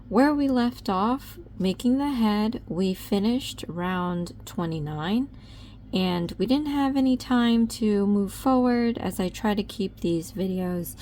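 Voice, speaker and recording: A woman's voice: mid-range voice, a little mellow, slight background noise. A woman giving a chatty step-by-step crochet tutorial, with frequent ums. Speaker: crochet instructor.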